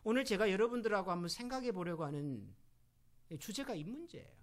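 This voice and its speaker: A man's voice: sits high, lively intonation, fairly quick. A middle-aged man preaching a sermon as pastor, asking the congregation questions and acting out quoted voices. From Korea.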